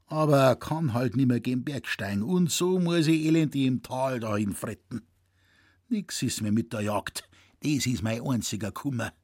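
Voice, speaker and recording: Bent old Bavarian woodsman, read by a man, quavering, plaintive, with a husky dry voice. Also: medium pitch, normal speed, no echo, lightly acted. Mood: lamenting. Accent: Bavarian dialect. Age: older. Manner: complaining, then effusive and excited. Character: stooped old Bavarian hunter, frail and lamenting.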